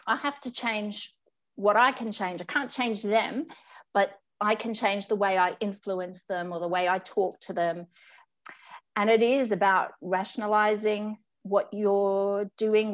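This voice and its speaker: A woman's voice: medium pitch, highs cut off. A middle-aged woman from Australia, a communications executive, speaking earnestly as a guest on a video call interview from home. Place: home room indoors.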